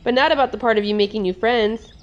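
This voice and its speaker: A woman's voice: a little high, fast, natural voice. A woman voicing a caring, playful mother pony in an amateur cartoon, motherly and encouraging, on a lo-fi recording. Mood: reassuring.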